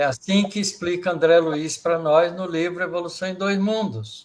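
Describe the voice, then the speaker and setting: A man's high pitch carries ordinary pitch variation as he speaks at a moderate pace. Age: 80s+. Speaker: spiritist teacher. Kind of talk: lecture Q&A. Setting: online video class.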